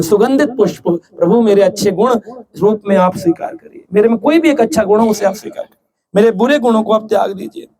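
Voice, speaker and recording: A man with a very high voice gives a devotional lecture. He jokes, asks his listeners questions and acts out little scenes in story voices. The live recording has a crowd that laughs along. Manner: humorous, with questions to the audience. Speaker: ISKCON preacher. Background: audience laughing.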